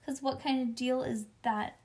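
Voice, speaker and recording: A woman's voice: sits high, fairly even intonation, normal speed, noisy background, pitched above the performer's own voice. Woman playing a stubborn, whiny little girl. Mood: indignant, whiny. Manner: childish grammar, indignant complaining. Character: stubborn, whiny, excitable little girl narrating her troubles.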